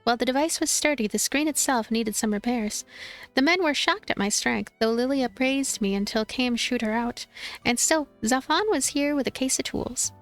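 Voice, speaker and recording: A woman with a fairly high voice narrates a visual novel for a let's play. She reads expressively, like a storyteller, with music playing behind her. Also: normal speed. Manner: animated storytelling, acts out dialogue.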